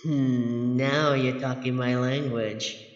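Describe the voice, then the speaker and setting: A man playing a grumpy, haughty monster from under a child's bed in an audio roleplay, speaking in a dry, pompous, deliberate way with exasperated sighs. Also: mid-range voice, flat delivery, highs cut off, natural voice. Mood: scheming. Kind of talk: scripted ASMR roleplay audio drama. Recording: echoey, reverberant room effect.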